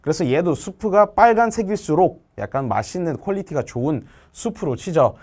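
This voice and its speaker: A male language teacher explaining exam answers step by step, asking questions and answering them himself, and reading example sentences slowly. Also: on the high side, animated, a little mellow. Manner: reads Russian example sentences slowly and clearly.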